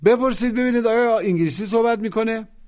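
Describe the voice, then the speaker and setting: A man's voice: very high-pitched, a little mellow. A man teaching a recorded language lesson, giving instructions and prompts for the listener to repeat. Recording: dull lo-fi tape recording.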